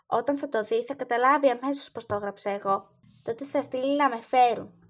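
A gentle, loyal knight who muses aloud and mutters his thoughts, read by a woman narrator. The voice stays high and bright in pitch. The telling is thoughtful and quiet, like a storybook reading. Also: soft background music. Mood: musing. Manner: musing, muttering to himself.

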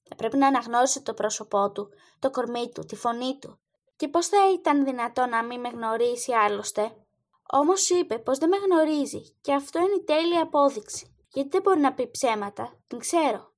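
A gentle, loyal knight who muses aloud and mutters his thoughts, read by a woman narrator. The voice stays high and bright in pitch. The telling is thoughtful and quiet, like a storybook reading. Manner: musing, muttering to himself.

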